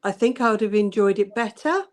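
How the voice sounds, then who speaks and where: A woman's voice: mid-range voice, fairly quick. A woman guest in a casual book chat over a video call, hesitant and thoughtful, with many ums.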